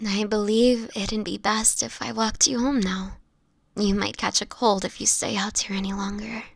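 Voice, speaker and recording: A woman playing a sickly, gentle, anguished vampire in an intimate audio roleplay, speaking in a breathy, often whispered voice with tender, halting, formal phrasing. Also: mid-range voice, little pitch movement, dry recording, studio quality. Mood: tender, soothing. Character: sickly homeless young female vampire, gentle, anguished, self-sacrificing.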